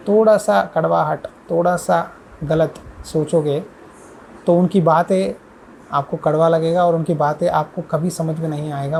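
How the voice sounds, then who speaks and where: A man's voice: fairly high pitch, a little mellow, slight background noise, poor audio. A male pastor delivering an earnest sermon, repeating words for emphasis.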